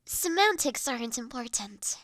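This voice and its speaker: In a roleplay audio drama, a woman voices a gentle, formal young mistress of a manor, delivering earnest, caring lines in measured, old-fashioned phrasing. Her voice is a little high and sing-song, playful yet composed. The recording is studio quality with no room sound.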